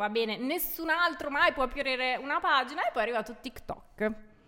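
A woman rattles off her words at a very fast pace amid noticeable background noise. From Italy, not Milan. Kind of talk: casual chat. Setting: studio.

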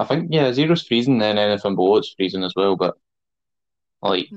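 Speaking at a fairly quick pace with ordinary pitch variation, a man with a fairly low pitch talks in a Scottish accent. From Scotland. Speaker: podcast guest, friend of host. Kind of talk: casual chat.

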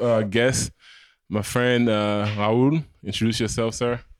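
A man talks at a fairly slow pace with a medium pitch and fairly even intonation. The background is quiet. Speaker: podcast host. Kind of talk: casual interview chat. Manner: casual, hesitant with fillers.

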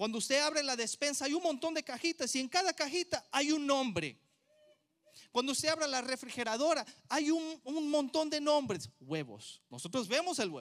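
The tone is animated, at a moderate pace. Pitch varies in an ordinary way. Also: man. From South America. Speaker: guest preacher. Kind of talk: sermon. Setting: church.

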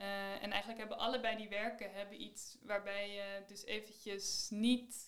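A woman's medium-pitched, flat, monotone delivery at a moderate pace, with audible room echo. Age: 20s. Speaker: visual artist. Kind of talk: interview. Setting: in a closed church.

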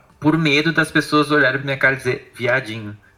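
The man's voice is fairly high in pitch with a bright, sharp tone. His pitch variation is ordinary. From Blumenau, Santa Catarina, Brazil. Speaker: podcast host. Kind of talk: casual chat. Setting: remote online call.

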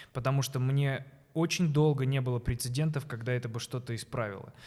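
Recorded very cleanly over a silent background, a man with an unremarkable speaking voice talks at medium pitch with ordinary pitch variation. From Voronezh, Russia. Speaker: comedian and podcast host. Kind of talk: interview.

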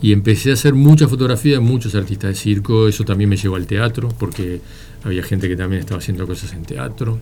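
Over noticeable background noise, a man talks at a very fast pace with a Uruguayan accent. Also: fairly low pitch for a man, ordinary pitch variation. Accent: Rioplatense Uruguayan Spanish. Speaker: photographer. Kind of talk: casual chat.

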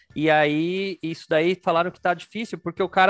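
Music plays in the background. A man speaks with a high pitch. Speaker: podcast host and investment course teacher. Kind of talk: casual interview chat.

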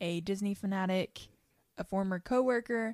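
A plain, everyday voice from a woman with an American accent, medium in pitch and moderate in pace, the sound dry and close with no echo. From US Kentucky. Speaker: podcast host. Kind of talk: casual interview chat. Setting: home office studio.

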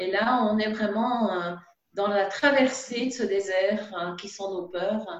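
A woman's somewhat breathy, fairly high voice at a very slow pace, with audible room echo. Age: 60s. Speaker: psychotherapist and speaker. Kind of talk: interview.

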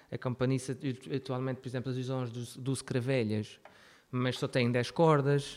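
At a moderate pace, the speaker talks with monotone, flat intonation and long, frequent pauses. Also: man, medium pitch for a man. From Azores, São Miguel (Ribeira Quente). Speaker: musician and viola teacher. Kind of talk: casual interview chat.

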